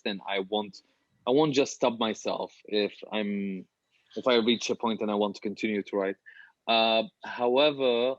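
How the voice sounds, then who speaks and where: Dull-sounding, low-voiced man chatting candidly. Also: dry recording. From Syria. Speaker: guest author being interviewed. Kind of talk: casual conversational interview. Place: small apartment home office, remote call.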